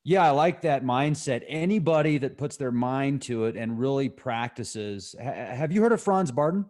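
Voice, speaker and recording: A man's voice: mid-range voice, expressive, moderate pace, darkish tone. A man hosting an interview livestream, asking questions in a casual, conversational way. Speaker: livestream host.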